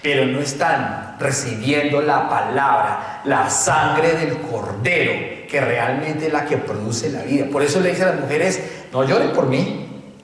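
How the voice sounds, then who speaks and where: A man's voice: mid-range voice, measured pace, few pauses, a bit bright. A man preaching a sermon, driving his points home with emphatic rhetorical questions. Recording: distant mic, echoey hall.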